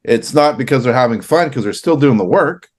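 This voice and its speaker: A man's voice: mid-range voice, lively intonation, brisk, darkish tone. A man from Canada co-hosting a casual business chat, talking loosely with fillers and restarts. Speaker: co-host.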